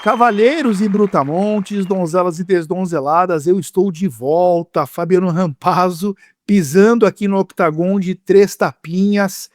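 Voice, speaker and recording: A man's voice: high-pitched, dry recording, clean studio sound. Brazilian man podcasting with a sick voice. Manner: playful, theatrical phrasing. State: sick, rough voice. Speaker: podcast host. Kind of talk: lively sports podcast chat.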